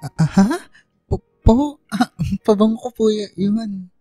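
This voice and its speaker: A woman's voice: medium pitch, steady tone, normal speed, warm tone, dry recording, clean studio sound, faint music behind, close to an everyday voice. A woman playing an insecure young gay student in an emotional, hesitant radio drama performance. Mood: nervous, evasive. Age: young adult. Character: tipsy, insecure young gay student, self-doubting and giggly.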